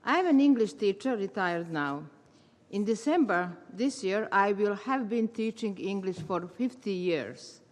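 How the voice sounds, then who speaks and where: A woman, a retired English teacher giving a measured, formal prepared speech as a volunteer. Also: medium pitch, animated. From Serbia. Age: 70s. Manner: measured, formal delivery with careful phrasing. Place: large meeting hall. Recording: long hall reverb.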